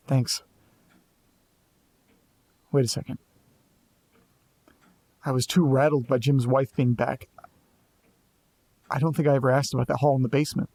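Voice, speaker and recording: A man plays a restless young man in an audio drama who talks in wry asides while he pieces a mystery together. His voice sits at an ordinary middle pitch, and it is recorded dry and close with no room sound. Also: level tone, creaky, darkish tone, dry recording. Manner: sardonic, restless, quick to jump to conclusions. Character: Nate, anxious young man chasing a mystery.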